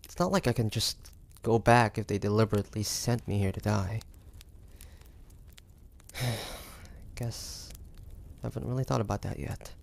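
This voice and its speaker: A man playing a wary, stubborn young demon hunter in an intimate audio roleplay, speaking in a hesitant, grudging, halting way. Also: fairly low pitch, vocal fry. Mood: brooding. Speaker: voice actor. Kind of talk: intimate audio roleplay acting, addressing the listener.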